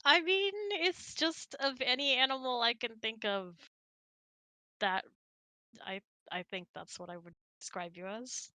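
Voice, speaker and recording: A woman's voice: on the high side, measured pace, pushed and bright, no echo. A woman hosting a casual online hangout, chatting and answering audience questions in a giggly manner. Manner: giggly, laughs often while talking.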